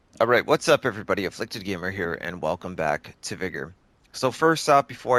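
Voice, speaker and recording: There is vocal fry in this man's voice, recorded with a dry, close sound and no echo. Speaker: gaming youtuber. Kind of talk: gaming news update. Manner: casual, conversational.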